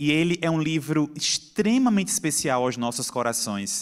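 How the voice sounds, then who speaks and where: A man with a Pernambuco accent speaks at a fairly high pitch with very wide pitch swings, on a very clean recording with a silent background. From Pernambuco, northeastern Brazil. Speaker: psychiatrist giving a spiritist talk. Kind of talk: lecture. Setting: stage with audience.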